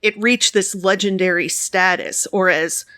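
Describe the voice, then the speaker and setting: Bright-voiced chatty woman co-host. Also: medium pitch, steady tone, a little slow, no echo, clean studio sound. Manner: chatty, laughs often, storytelling. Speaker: podcast co-host. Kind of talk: casual conversation.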